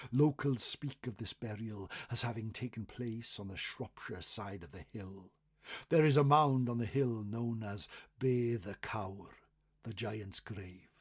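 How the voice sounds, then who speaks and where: Expressive male storyteller, slightly husky voice. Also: on the low side. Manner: expressive, swelling then dropping to hushed phrase endings. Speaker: storyteller reading a folklore article. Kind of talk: dramatic oral storytelling narration.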